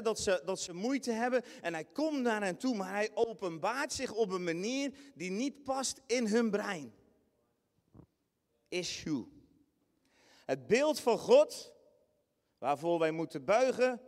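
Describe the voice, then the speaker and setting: A man preaching a lively sermon, acting out scenes with sudden high shrieks and bursts of laughter. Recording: long hall reverb in a church.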